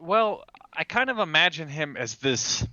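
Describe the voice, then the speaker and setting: A man's voice: fairly high pitch, big pitch swings, unhurried, pushed and bright, no room sound, highs cut off. A man playing a tabletop game, casually describing his character and chatting with the group.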